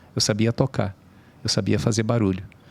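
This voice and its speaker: Using a plain, everyday voice, a man speaks in a fairly low pitch with fairly even intonation. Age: 60s. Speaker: business consultant. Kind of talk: podcast conversation.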